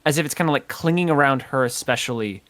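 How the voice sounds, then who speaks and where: A man's voice: mid-range voice, fast talker, a bit bright. A man narrating as game master of a tabletop game, hesitant and full of filler words. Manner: hesitant, full of ums and kinda.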